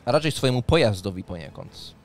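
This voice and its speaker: A man's voice: on the low side, expressive, quick pace, vocal fry. Man in his thirties, game master, descriptive fantasy narration, dramatic delivery, close mic, faint music behind. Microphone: close microphone on a boom arm, headset on.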